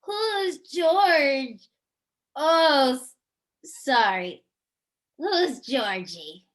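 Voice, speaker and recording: High, slow, hungry killer clown played by a woman. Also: expressive, full character voice. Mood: mock curious. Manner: slow, savoring, sing-song listing. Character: predatory child-eating clown monster, gleeful and hungry. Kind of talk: amateur virtual table read of a horror screenplay.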